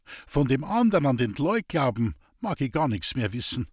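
A man's voice: mid-range voice, sing-song, moderate pace, breathy edge, dry recording, studio quality. A man voicing a weary, bitter old village woman speaking in Bavarian dialect in a storybook reading. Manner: plaintive, bitter, resigned.

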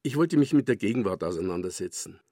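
An older man from Bavaria, a dialect poet, reading a scripted personal essay for radio in a calm, measured way. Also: lowish voice, dry recording, studio quality. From Bavaria, Germany.

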